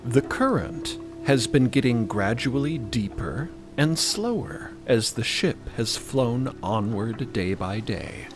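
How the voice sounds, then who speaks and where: A man's voice: medium pitch, lively intonation, slow pace, few pauses, music in the background. A man narrator reading scripted audio fiction.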